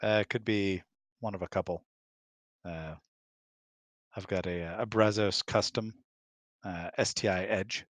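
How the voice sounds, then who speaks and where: A man's voice: deep voice, steady tone, measured pace, pauses often, no room sound. A man chatting casually as a guest and answering questions in a laconic, dry-humored way. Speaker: guest, host's husband.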